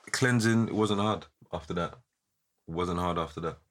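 Bright, sharp tone with ordinary pitch variation, on a very clean recording with a silent background. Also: man. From South London. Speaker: musician and youth mentor. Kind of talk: casual podcast interview.

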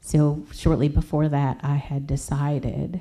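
With vocal fry and a very deep, low pitch, a woman talks at a fairly slow pace with ordinary pitch variation. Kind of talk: testimony. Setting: church.

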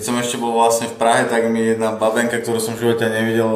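Audible room echo and noticeable background noise surround a man whose pitch sits fairly low. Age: 30s. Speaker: tattoo artist. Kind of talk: casual interview chat.

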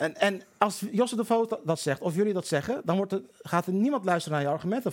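A man speaks very fast in a high voice with ordinary pitch variation. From Netherlands, Rotterdam. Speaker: former member of parliament. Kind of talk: casual chat.

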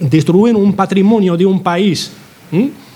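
A man talks over noticeable background noise. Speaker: political activist. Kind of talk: panel talk.

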